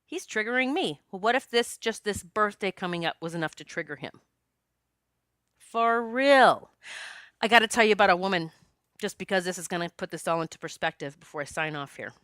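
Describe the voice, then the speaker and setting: Chatty woman with a bright, forceful voice. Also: medium pitch, a little fast, no echo. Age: 40s. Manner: chatty and expressive, jokes with listeners. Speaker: podcast host and psychic medium. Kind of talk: solo podcast monologue.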